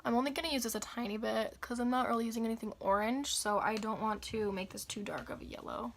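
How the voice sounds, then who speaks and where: A young woman with a raspy, slightly hoarse voice after the flu, chatting casually through a makeup tutorial. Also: fairly high pitch, fast talker, slight background noise. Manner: chatty, upbeat, filler-heavy. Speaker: beauty vlogger.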